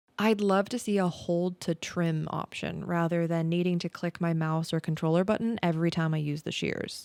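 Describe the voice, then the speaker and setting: The speaker is soft-spoken, with a calm, gentle tone and ordinary pitch variation. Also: woman. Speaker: content creator / game reviewer. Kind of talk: casual talk to camera, game review. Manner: calm, gentle, easy listening.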